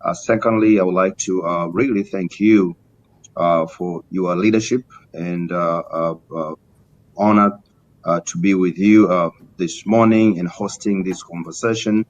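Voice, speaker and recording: A middle-aged man with a Tanzanian accent answering as an interview guest, formal and courteous, with many halting hesitations. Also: steady tone. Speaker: interview guest, community business leader. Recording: muffled lo-fi link with rumbling noise.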